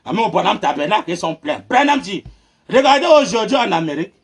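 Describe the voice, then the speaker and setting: A man preaching a sermon, laughing through his words, mocking and shouting amens. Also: high voice, big pitch swings, quick pace, breathy edge.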